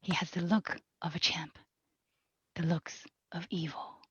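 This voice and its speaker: A woman with a breathy, whispery voice reading scripted stage directions as narrator, on dull lo-fi audio. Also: on the low side, fairly even intonation, measured pace.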